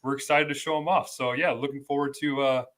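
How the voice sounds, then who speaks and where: A man of middle pitch with a bright, forward tone chats easygoingly as a podcast co-host. His delivery is relaxed and conversational. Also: fast. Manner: laid-back, easygoing. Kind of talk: casual podcast chat.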